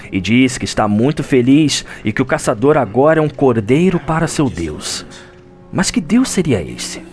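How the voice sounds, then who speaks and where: A man with a Brazilian accent giving a solemn, dramatic scripted narration for an audio drama, like a chronicler telling a story. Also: medium pitch. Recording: music under the voice. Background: background music.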